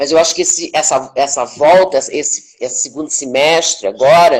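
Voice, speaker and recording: A woman's pitch swings very widely as she talks at a fairly slow pace, with noticeable background noise in the recording. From Brazil, Rio de Janeiro. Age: 60s. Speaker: stage and screen actress. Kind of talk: interview.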